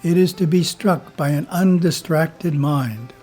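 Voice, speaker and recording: Spiritual teacher guy reading slow and measured, husky, kinda high voice, soft music under it.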